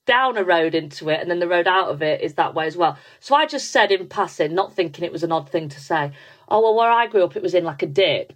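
Chatty Yorkshire woman telling stories. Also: fairly low pitch. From Yorkshire, England. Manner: chatty storyteller, lots of likes and ums. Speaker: comedian guest. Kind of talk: casual podcast chat.

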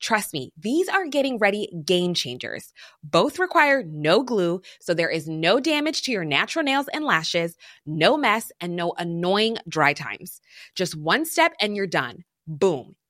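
A woman's voice: lowish voice, sing-song, unhurried, a bit bright, dry recording, clean studio sound. A woman presenting a scripted advert in a chatty, enthusiastic influencer style.

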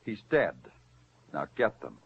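An actor playing a hard-boiled police detective who narrates in a terse, dry, wisecracking manner, in 1940s radio acting. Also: male voice, fairly low pitch, very animated, slow, creaky, breathy edge, full character voice. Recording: dull lo-fi old radio recording with music.

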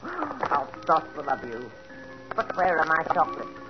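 An actress playing a brusque, domineering old aunt in the style of 1940s radio drama. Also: female voice, sits low, very animated, a little slow, music in the background. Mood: fond, pleased. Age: older. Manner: brusque, scolding. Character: crusty, domineering, wealthy old aunt, fond underneath. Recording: dull, noisy 1940s radio recording.

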